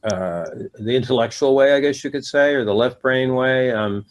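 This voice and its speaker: A man's voice: mid-range voice, normal speed. An older man answering interview questions about his practice, talking in a rambling way with many fillers and restarts. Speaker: astrologer, interview guest.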